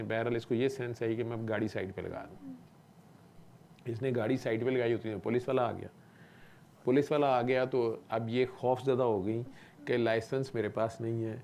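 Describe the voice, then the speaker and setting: Man, mellow low-key voice, casual storytelling, faint background hiss. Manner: relaxed conversational, often asks "okay?". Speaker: doctor.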